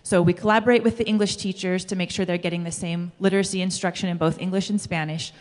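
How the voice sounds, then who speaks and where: A woman's voice: on the low side, fairly even intonation, quick pace. Woman teacher presenting in a big hall. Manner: earnest, explanatory, uses fillers. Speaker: high school Spanish teacher. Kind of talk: conference presentation. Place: large school hall, on stage. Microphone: handheld microphone. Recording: long reverb of a large hall.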